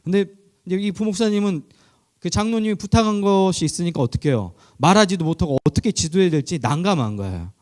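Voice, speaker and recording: A man's voice: high voice, expressive, fast talker. A Korean male pastor preaching to a youth group, telling stories in a conversational way and asking listeners questions. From South Korea. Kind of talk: sermon. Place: church, online youth service.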